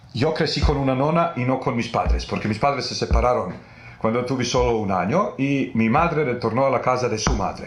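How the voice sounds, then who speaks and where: Noticeable background noise and audible room echo surround a man's medium-pitched voice. He talks at a fairly quick pace with ordinary pitch variation. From Sarajevo, Bosnia. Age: 50s. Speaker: Ladino speaker interviewee. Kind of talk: interview.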